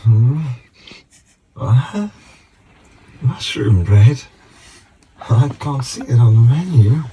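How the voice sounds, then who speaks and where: An actor playing a weary, bewildered old British miner in a video game, hesitant and complaining. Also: male voice, medium pitch, expressive, very slow, mellow, far from the mic, muffled recording, slight background noise. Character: weary, put-upon old miner, grandfatherly and forgetful.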